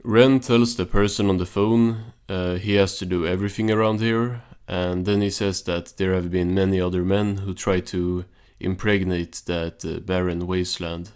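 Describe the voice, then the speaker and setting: A man with a low-pitched voice hosts a cartoon recap. His delivery is informal and deadpan, like offhand commentary. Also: normal speed, hardly any pauses, smooth.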